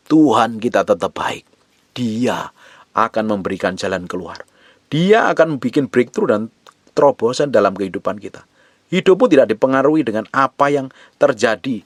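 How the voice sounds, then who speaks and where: A man preaching a sermon, dropping to near whispers and then rising to loud, emphatic lines. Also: mid-range voice, dry recording, studio quality. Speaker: pastor.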